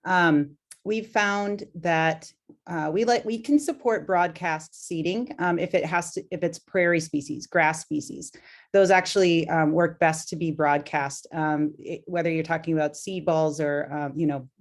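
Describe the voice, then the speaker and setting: A woman answering audience questions as a panelist, speaking in a measured way with frequent ums. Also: low-pitched, fairly even intonation.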